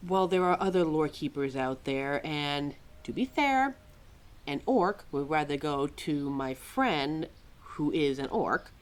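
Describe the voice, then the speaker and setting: A woman playing a quirky, exasperated, motherly keeper of forgotten lore in an ad-libbed audio roleplay, chatty and wry with halting, musing asides. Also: low voice, animated. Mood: musing, informative. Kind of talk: ad-libbed ASMR-style roleplay, talking to a listener.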